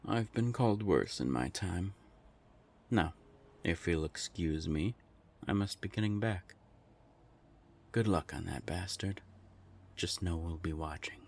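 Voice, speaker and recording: A man playing a haughty centuries-old vampire in an audio drama, husky and gravelly, with a condescending, taunting, theatrical manner. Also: low-pitched, expressive, a little slow, long pauses, full character voice. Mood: dismissive, mocking.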